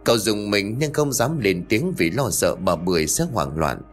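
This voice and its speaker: A man narrating a horror story in a steady, suspenseful scripted way. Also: fairly low pitch, normal speed. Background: faint music.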